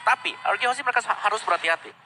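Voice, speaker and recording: A man's voice: high voice, rapid-fire, background noise. A man with an Indonesian accent giving analysis as co-commentator of a live esports match.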